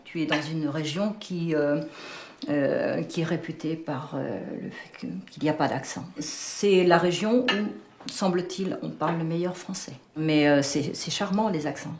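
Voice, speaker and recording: A woman with a low voice chats casually. The room is echoey, and dishes clink faintly behind her. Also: unhurried, darkish tone, slight background noise. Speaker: host of foreign language students. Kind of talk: casual conversation.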